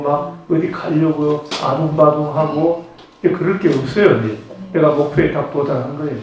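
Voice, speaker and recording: A man's voice: fairly high pitch, a little mellow, slight background noise. Older man lecturing in an echoey room. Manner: conversational, leads slow chanting. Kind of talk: Buddhist lecture. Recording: very echoey room, distant mic.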